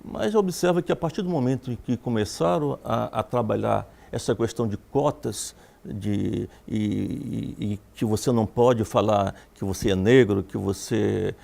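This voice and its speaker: A man's voice: lowish voice, normal speed, gravelly, a little mellow. A Brazilian man hosting a TV panel, posing questions hesitantly with restarts. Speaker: host. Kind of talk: TV panel moderation.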